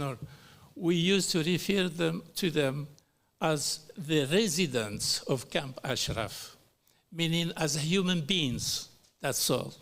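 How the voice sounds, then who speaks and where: A middle-aged man from Algeria giving a formal speech as a panel speaker at a human rights hearing, slow and deliberate, with pauses and fillers. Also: on the high side, a bit bright.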